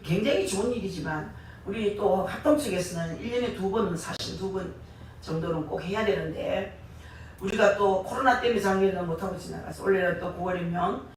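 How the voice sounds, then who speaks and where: A woman preacher delivering an impassioned sermon, rising to shouts on key words, recorded from a distance in a church sanctuary. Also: medium pitch, a little fast, a little hiss or hum. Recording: echoey church hall, far from mic.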